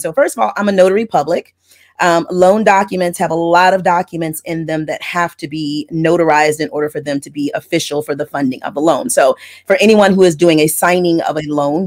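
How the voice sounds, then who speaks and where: A middle-aged woman from Florida, raised in Texas, talking at length about her notary work in a casual video-call interview from her home office. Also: fairly low pitch. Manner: wordy, chatty, explains in detail. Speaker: mobile notary loan signing agent and channel host. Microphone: earbud headset on a video call.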